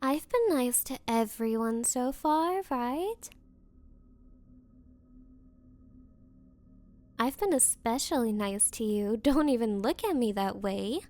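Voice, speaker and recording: A bratty young rich girl, acted by a woman speaks in a high voice at a slow, drawn-out pace. She is coy, haughty and defensive about her crush, in the style of an anime ASMR roleplay, recorded dry and close. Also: lively intonation, a little mellow, no echo. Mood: smug, coy. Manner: coy, haughty, hesitant valley-girl phrasing. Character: bratty spoiled rich girl, possessive, smitten but defensive.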